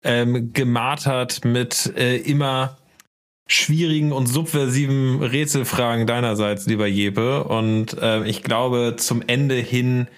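A man's voice: mid-range voice, steady tone, takes it slowly. A man co-hosting a podcast in casual chat, teasing and nitpicking at an easy pace. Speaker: podcast co-host.

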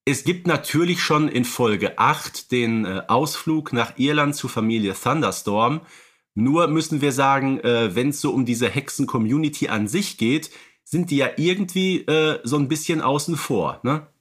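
A man of middle pitch co-hosts a casual fan podcast. He talks in a searching, hesitant way, often stopping to find a word or correct himself. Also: normal speed, a bit bright. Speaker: podcast co-host.

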